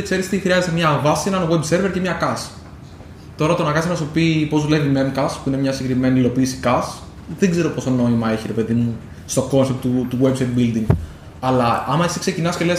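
A man co-hosting a podcast, chatting casually and circling back with fillers and restarts. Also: a little high. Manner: rambling, many fillers and restarts. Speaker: podcast co-host. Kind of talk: casual chat. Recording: echoey room with faint noise.

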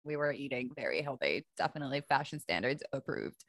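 A woman's voice: a bass voice, very animated, fairly quick, a bit bright. A young woman from Poland co-hosting a podcast, chatting casually and giggling often. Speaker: podcast co-host. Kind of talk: casual chat.

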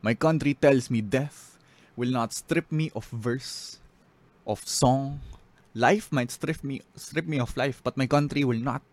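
Filipino guy poet on a podcast, medium pitch, mixes english and tagalog. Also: a little slow, dry recording. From Philippines. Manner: switches between English and Filipino. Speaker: guest, writer and spoken word poet. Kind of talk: casual podcast talk and spoken word poetry reading.

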